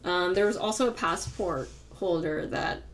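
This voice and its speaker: A young woman vlogging casually to camera, soft-spoken and chatty, her voice worn and fading from talking all day. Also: on the low side, moderate pace, slight background noise. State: tired, fading voice. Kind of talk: casual vlog talk.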